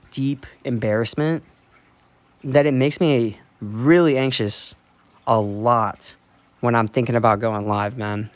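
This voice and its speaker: A young man rambles candidly about his streaming life, loose and unscripted, full of fillers and curses. His voice sits at an everyday middle pitch. It is caught on a phone in a dry, close sound with little room around it. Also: darkish tone, no room sound. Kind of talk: casual rambling monologue. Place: dark basement. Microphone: phone held while walking.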